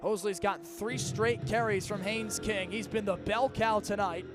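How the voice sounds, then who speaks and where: A young American man in his early twenties doing energetic, vivid live play-by-play of football on the radio. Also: sits high, unhurried, over music. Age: early 20s. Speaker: play-by-play announcer.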